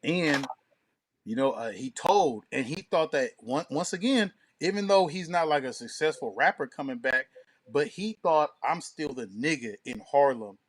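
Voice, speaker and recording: A man with a somewhat high-pitched voice talks casually as a show co-host. He is opinionated and emphatic, leaning on street slang and swearing freely. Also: animated, moderate pace.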